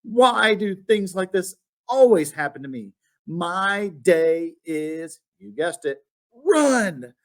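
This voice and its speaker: A man's voice: high-pitched, animated, slow pace, pitched above the performer's own voice, heavily acted. A man voicing a sulky, dramatic schoolboy in a storybook, whining and complaining. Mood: upset, outraged. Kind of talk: storybook read-aloud.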